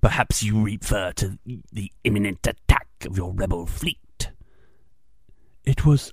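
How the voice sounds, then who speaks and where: A put-on character voice from a man, fairly low in pitch, at a moderate pace. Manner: smug, sinister.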